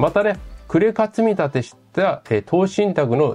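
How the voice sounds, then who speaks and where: A man speaks with very wide pitch swings. His tone is dark and mellow. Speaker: personal finance YouTuber. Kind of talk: tutorial explainer monologue. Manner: friendly, polite, filler-heavy.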